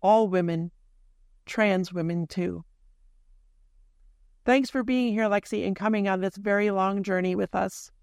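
A host analyzing a film in deliberate video essay narration, then chatting casually with a guest. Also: medium pitch, steady tone, creaky, a little mellow, clean tone, no echo, clean studio sound. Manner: deliberate, analytical, reads out timestamps.

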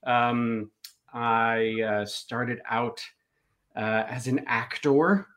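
A man from Los Angeles, a filmmaker and editor, telling his background as a podcast guest with frequent pauses. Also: medium pitch, steady tone, a bit bright. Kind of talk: casual interview chat.

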